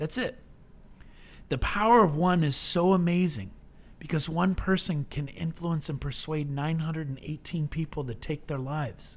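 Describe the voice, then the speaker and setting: The recording is very clean, with a silent background. A man speaks with an animated tone at a fairly high pitch and fairly slow pace, his pitch varying in an ordinary way. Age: 40s. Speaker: podcast host. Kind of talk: casual monologue.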